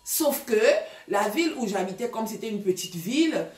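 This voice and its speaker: A Gabonese vlogger in her thirties gives relationship advice, casually telling her viewers a story directly and chattily, with many fillers. Her mid-range, darkish voice has lively intonation at normal speed, in an echoey room with slight background noise.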